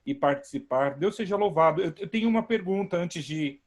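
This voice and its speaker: A man's voice: high-pitched, animated, brisk. A man, a pastor hosting an online service from home, speaking emphatically and praising God. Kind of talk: warm preaching talk.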